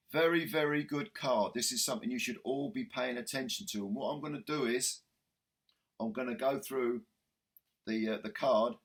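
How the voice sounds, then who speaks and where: Hoarse, husky male host, casual rambling delivery. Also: medium pitch. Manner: chatty, rambling with fillers and restarts. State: losing his voice, hoarse. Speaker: boxing channel host. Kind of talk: casual video commentary.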